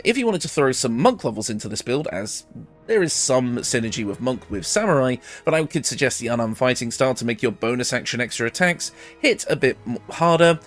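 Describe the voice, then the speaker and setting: A man giving a casual, conversational video game guide commentary, explaining things informally, his voice a bit ill and recovering from being lost. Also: medium pitch. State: ill, voice recovering after losing it. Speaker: gaming video creator presenting a character build guide.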